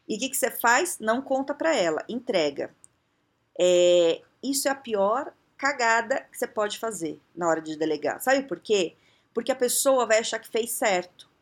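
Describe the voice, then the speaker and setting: A woman with a Brazilian Portuguese accent giving blunt, conversational leadership advice, often acting out little dialogues. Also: a little high. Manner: blunt, conversational, frequent tag questions, acts out dialogues. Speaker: leadership coach. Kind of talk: casual advice talk.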